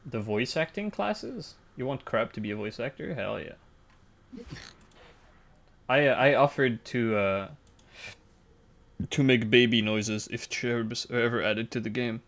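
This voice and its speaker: A man's voice: mid-range voice, a little slow, pauses often, fairly bright tone. A man streaming a game, chatting casually with crude jokes and frequent laughs. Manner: crude joking, laughs often. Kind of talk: casual gaming chat.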